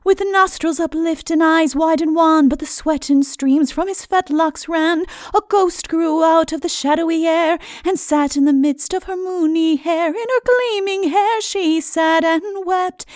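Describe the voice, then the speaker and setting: Woman performing a very high, mournful ballad singer. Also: no echo, studio quality. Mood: eerie, mournful. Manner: mournful, drawn-out lilting delivery. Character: sweet-voiced female singer of sad old ballads. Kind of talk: slow sung ballad.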